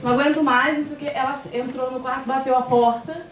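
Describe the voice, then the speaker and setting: A woman's voice: high voice, steady tone, fast, heavy background noise. A Brazilian woman in her forties sharing a personal story in a colloquial, emotional way during a talk. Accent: Brazilian Portuguese. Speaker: audience member sharing a story. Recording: echoey room from far off.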